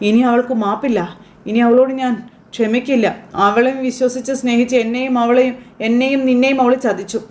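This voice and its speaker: A woman voicing a bitter, scheming middle-aged mother who turns her son against his wife, read slowly with light acting. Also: fairly high pitch, flat delivery, a little mellow, natural voice. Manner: slow, lightly acted reading of reported lines.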